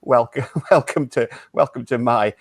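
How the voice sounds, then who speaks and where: A man's voice: medium pitch, husky, dry recording, studio quality, pitched below the performer's own voice. A man playing a hesitant, awkward radio DJ who keeps stammering and restarting while talking to callers. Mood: flustered. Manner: flustered, hesitant, halting. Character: awkward radio DJ host of a small station. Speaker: improv performer.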